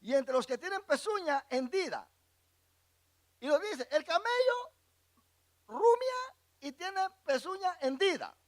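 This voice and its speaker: A man's voice: very high voice, expressive, unhurried, pauses often. A male pastor teaching a Bible class, reading verses aloud and asking the congregation questions for them to answer. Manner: asks the congregation questions and lets them fill in words; reads scripture verses aloud and explains them.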